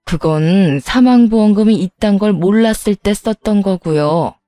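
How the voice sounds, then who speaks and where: A woman's voice: medium pitch, moderate pace, dark tone, no room sound, clean studio sound, faint music behind, natural voice. A woman voicing a greedy, scheming older sister-in-law who talks in a brazen, demanding way. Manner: sugary then brazen and demanding.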